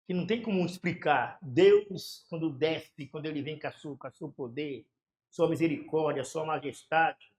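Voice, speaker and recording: A man, a pastor telling his conversion story with fervor, in pauses and restarts. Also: a little high, gravelly. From São Paulo area, Brazil. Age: 60s. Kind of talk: emotional conversion testimony in a casual chat. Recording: echoey room.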